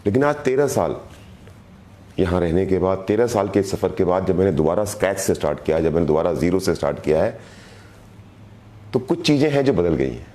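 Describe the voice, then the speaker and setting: Hoarse, low-voiced man speaking earnestly. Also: animated, warm tone. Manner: earnest, deliberate, repeats phrases for emphasis. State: hoarse, sore throat. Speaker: direct selling team leader. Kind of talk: motivational live video address.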